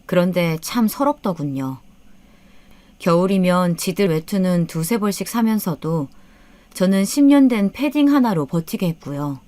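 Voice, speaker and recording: Woman narrator, low pitch, dry recording, subdued first-person storytelling. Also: expressive, measured pace, warm tone, dry recording. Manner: subdued, rueful, telling it as an aggrieved older mother.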